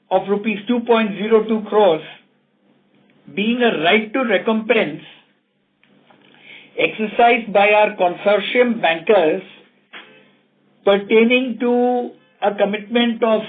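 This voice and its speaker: A man with an Indian accent formally reading out financial results as a company executive, in a measured way, over a telephone conference call. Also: high-pitched. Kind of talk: scripted financial results presentation. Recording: tinny narrow phone line.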